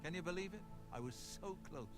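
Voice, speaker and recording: Gruff old fisherman, loud music. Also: sits high, lively intonation, fairly quick. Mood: regretful, pleading. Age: older. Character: gruff old injured fisherman, weary and bitter. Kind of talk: scripted video game dialogue.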